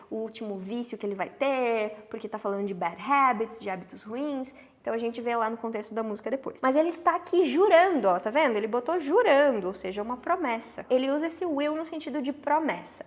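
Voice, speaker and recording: A woman with a Brazilian Portuguese accent teaches English with a bright, fairly high voice that swings up and down a lot. She says her example sentences slowly and drawn out, then hurries through the explanation. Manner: animated, stretches English examples slowly, frequent "tá?" check-ins. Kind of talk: lively explanatory lesson.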